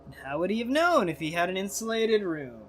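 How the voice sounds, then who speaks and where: A woman's voice: mid-range voice, very animated, fairly quick. A woman giving casual game commentary as she plays, talking in a slangy, offhand way. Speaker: gamer reacting to a game. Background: game music.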